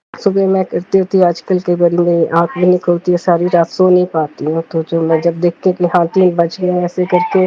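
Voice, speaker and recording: With noticeable background noise, a woman talks at a moderate pace in a fairly low pitch, her intonation monotone and flat, her loudness very even, and with hardly any pauses. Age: 70s. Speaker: devotee sharing personal testimony. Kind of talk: recorded audio testimony.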